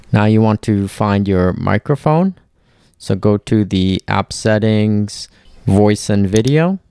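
Male tutorial narrator, smooth and fairly low, plain instructional delivery for software walkthroughs. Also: dry recording. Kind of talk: step-by-step software tutorial voice-over.

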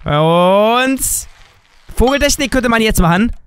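A young man with a cold and a dry voice, giving energetic, jokey let's-play commentary as a gaming YouTuber. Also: high voice, smooth. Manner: excitable, jokey, switches between shouts and drawn-out slow words.

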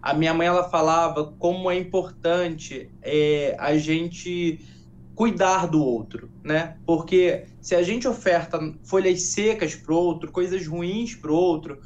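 A guest who is an educator and storyteller tells an old folk tale softly, slowly, and without hurry, in a voice a little higher than most men's. The studio-broadcast audio sounds slightly dull, with a faint hum beneath it.

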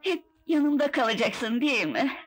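A woman's voice: high voice, lively intonation, moderate pace. An actress playing a devoted, emotional wife and protective mother, plaintive in an old melodrama film. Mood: tender.

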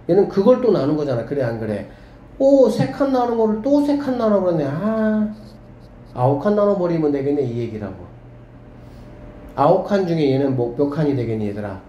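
A man teaching a math class to students, lively and often checking whether they follow. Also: fairly high pitch. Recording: echoey room with faint background hum.

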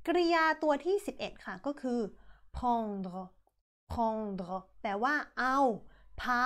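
A young woman teaching a French verb lesson, explaining at length and slowing right down to model each French phrase. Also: on the high side. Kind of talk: online language lesson.

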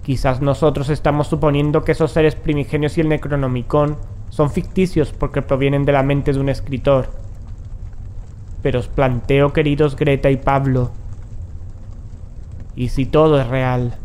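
An actor playing an aloof, brilliant investigator in an audio drama, speaking in a curt, grave, measured way. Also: male voice, medium pitch, level tone, darkish tone, a little hiss or hum, close to an everyday voice. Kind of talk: Spanish-language audio drama acting and narration.

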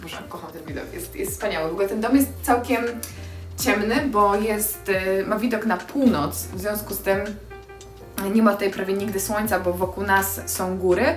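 Young female vlogger, mid-pitched, effusive and casual, guiding a tour over light music. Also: fairly even intonation, moderate pace. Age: young adult. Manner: enthusiastic, effusive. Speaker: vlogger giving a house tour. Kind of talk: casual spoken house tour to camera. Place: small stone house and outdoor terrace.

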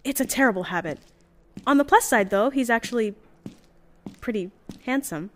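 Audio drama: actress for polite, gushing young woman scientist type, fairly high voice, very animated. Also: moderate pace, lightly acted. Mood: fond, flustered. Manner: bubbly, gushing, hesitant when flustered. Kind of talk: audio drama, recorded diary.

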